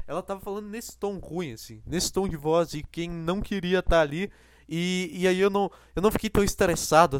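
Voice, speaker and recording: Rambling young podcaster. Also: male voice, high voice, smooth. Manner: rambling, self-deprecating, many restarts. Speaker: podcast host. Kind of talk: casual monologue. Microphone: close mic.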